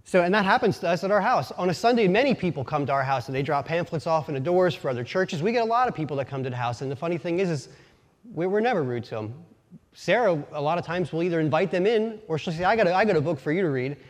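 A man with a light Pennsylvania Dutch accent preaches in a relaxed, storytelling way, poking fun at himself and often restarting his sentences. His voice sits a little high for a man. The long reverb of a church hall trails after every phrase. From Pennsylvania, USA. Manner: folksy, self-deprecating, halting restarts. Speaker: lay preacher. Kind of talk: casual sermon with personal stories. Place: church sanctuary.

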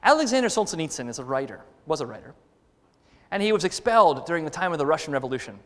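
A man's voice: a little high, big pitch swings, fast talker, in a large hall. A man preaching a conversational sermon as a guest in a church, asking the congregation questions.

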